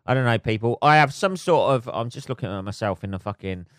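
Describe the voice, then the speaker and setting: A congested man in his forties talks at a middling pitch in a smooth, full voice, thick and nasal from a cold. His delivery rambles and swears freely, full of self-mockery. The sound is close and dry, with no room around it. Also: animated, fast, no room sound. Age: 40s. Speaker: podcast host. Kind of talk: casual solo rant. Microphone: phone camera.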